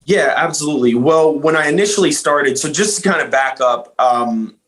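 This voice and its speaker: A man's voice: a little high, moderate pace, a bit bright, rough recording. A young man from Louisiana, a guest on a podcast, telling his story in an earnest, rambling way with many fillers and restarts. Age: young adult. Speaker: guest, insurance agent. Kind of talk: casual podcast interview.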